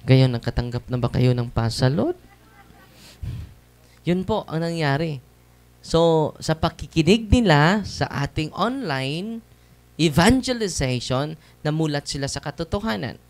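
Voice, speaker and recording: Slightly high and animated, this priest's voice runs a little slow with long pauses. The Catholic clergyman gives a conversational testimony sermon to a seated crowd in a church or hall, repeatedly throwing tag questions back at them.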